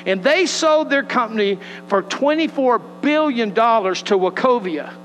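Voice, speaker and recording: A man's voice: very high-pitched, expressive, unhurried, fairly bright tone, big-room sound, soft background music, rough recording. A man with a West Texas accent, preaching and praying as a pastor in a folksy, earnest way. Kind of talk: sermon with prayer and scripture reading. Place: church sanctuary.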